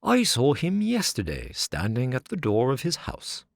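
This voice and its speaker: A sly fox, voiced by a man, greets the listener with courteous, wheedling charm, drawing his words out slowly. The storybook recording is close and dry. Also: medium pitch, wildly swooping pitch, vocal fry, no room sound, pitched above the performer's own voice, heavily acted. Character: sly smooth-talking male fox.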